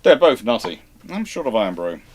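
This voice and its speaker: A man's voice: on the low side, sing-song, brisk, darkish tone. A man hosting a live history question show over a video call, chatting casually and correcting himself as he rambles. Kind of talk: casual chat, answering viewer questions.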